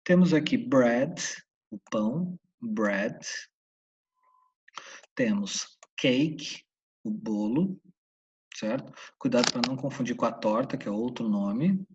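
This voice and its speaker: A man from Santa Catarina, Brazil, with a Brazilian Portuguese accent, teaching a casual English lesson and repeating the English words slowly, in a husky voice. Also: medium pitch, lively intonation, a little mellow. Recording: dull, distant room mic.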